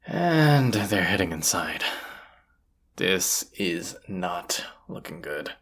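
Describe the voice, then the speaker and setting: The bandit leader here is voiced low with vocal fry, yet the tone is fairly bright and the delivery exaggerated. The performer, in a fantasy audio roleplay, offers grumbling but confident, folksy and sardonic muttering to the listener, sounding tense and sardonic.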